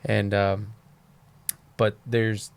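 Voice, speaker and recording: A man hosting a casual interview chat, keen and quick to chime in with "yeah" and "that's awesome". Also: on the low side, little pitch movement, gravelly, clear, resonant tone. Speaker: podcast host.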